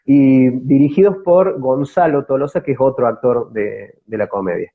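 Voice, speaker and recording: An actor from a theatre company, a man with a Córdoba Argentine accent, answers interview questions conversationally at a moderate pace in a medium-pitched voice. He feels for words and repeats them as he goes, and the audio is narrow and tinny.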